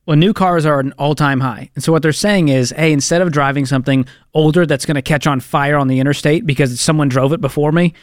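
A man's voice: a little high, fast talker, hardly any pauses, no room sound, studio quality. A man co-hosting a talk show, upbeat and light, reading out listener questions and joking. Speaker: co-host. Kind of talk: casual podcast discussion.

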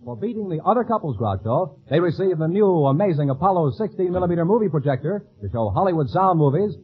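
A man's voice: fairly high pitch, animated, fast talker, narrow, tinny audio. An American man working as a radio announcer, delivering scripted copy in 1940s style on an old recording.

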